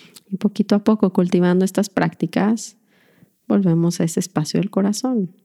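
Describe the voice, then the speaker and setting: A woman's somewhat breathy voice at medium pitch and a moderate pace, with fairly even intonation and a dry, close sound with no echo. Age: 30s. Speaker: spiritual teacher. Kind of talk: podcast monologue.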